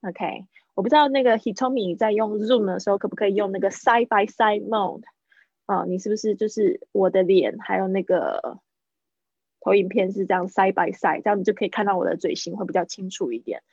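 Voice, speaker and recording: A woman teaching English pronunciation in a live online lesson, switching between quick explanations and slow, drawn-out model phrases, repeating words several times to drill them. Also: medium pitch, steady tone, a little mellow, husky, no room sound, highs cut off. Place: indoors, streaming over video call.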